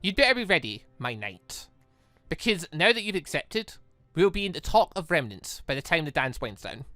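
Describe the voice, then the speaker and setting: Man acting out a haughty young heiress, animated. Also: a little high, normal speed, dry recording, faint music behind. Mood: teasing, proud. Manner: grand, superior, teasing. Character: haughty, self-assured rich young heiress.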